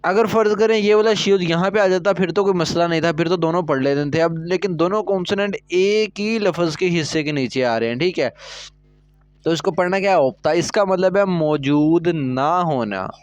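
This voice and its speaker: A man's voice: high voice, normal speed, smooth, dry recording. A man teaching a recorded Korean lesson, explaining step by step and often checking that students follow. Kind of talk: recorded language lecture.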